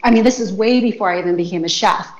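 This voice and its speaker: A woman's voice: medium pitch, fast. A woman calling in to a radio interview over the phone, telling stories casually with many fillers. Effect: over a phone line, on speakerphone. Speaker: guest chef and wellness consultant. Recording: muffled phone line, faint background noise.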